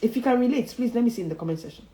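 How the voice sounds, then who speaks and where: A woman's voice: fairly high pitch, lively intonation, very fast, warm tone. A woman, a speech coach teaching viewers emphatically, repeating her key phrases and often chuckling. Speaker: public speaking coach. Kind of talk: motivational livestream teaching. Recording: roomy echo.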